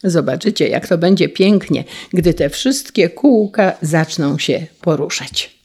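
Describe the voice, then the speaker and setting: A woman's voice: on the low side, a little slow, a little mellow, slightly rough. A woman voicing a boastful young boy keen on machines in a read-aloud storybook. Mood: excited.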